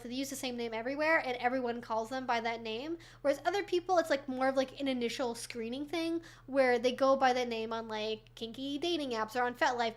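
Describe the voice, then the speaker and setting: Woman in her twenties or thirties, higher voice, casual rambling streamer answering chat questions. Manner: rambling, chatty, many fillers and restarts. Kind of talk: casual livestream Q&A.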